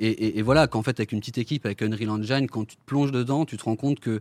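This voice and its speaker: A man with a plain, everyday voice speaks at a medium pitch with ordinary pitch variation, recorded dry and close with no echo on a very clean track with a silent background. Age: 20s. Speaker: game developer and former rapper. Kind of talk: interview.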